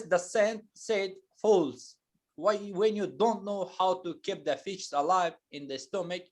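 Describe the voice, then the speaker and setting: A man teaching an English lesson, explaining patiently and slowly with many hesitations and fillers. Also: high voice. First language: not Turkish.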